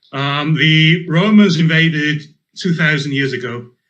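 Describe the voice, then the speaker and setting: Intonation stays fairly even as a man talks in a fairly high voice. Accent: Welsh. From rural Wales. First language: Welsh. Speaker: scientist. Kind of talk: interview.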